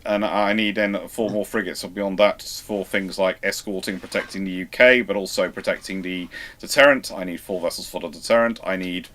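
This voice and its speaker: A British man hosting a live question-and-answer stream on naval history, chatting casually and teasing a co-host, with loud animated bursts of emphasis. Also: fairly low pitch. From Britain. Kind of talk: live Q&A chat.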